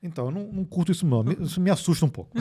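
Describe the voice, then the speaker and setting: Mellow-voiced Brazilian man chatting casually. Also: high voice, breathy edge. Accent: Brazilian Portuguese. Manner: relaxed and chatty, with frequent fillers and restarts. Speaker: co-host of a tech news show. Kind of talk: casual chat, reading viewer comments aloud.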